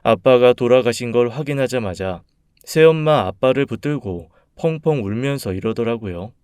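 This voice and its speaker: A man narrating a read-aloud personal story in a calm, measured, soft-spoken way. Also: medium pitch, clean tone, no room sound, studio quality.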